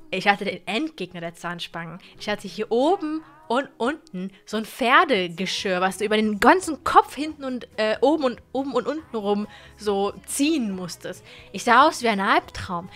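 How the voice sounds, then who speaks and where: Young woman streamer, casual animated chat, boom-arm studio mic, faint music behind. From Germany. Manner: chatty, animated, stumbles and repeats words. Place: gaming room with colored wall lights.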